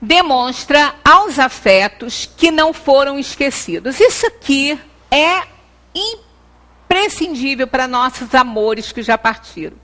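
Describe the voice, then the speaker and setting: A middle-aged woman with a Brazilian Portuguese accent gives an earnest devotional talk in a meeting room, pausing and restarting often, picked up by a far camera. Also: high voice, pushed and bright. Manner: earnest, gesturing, many pauses and restarts. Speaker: lecturer at a spiritist center.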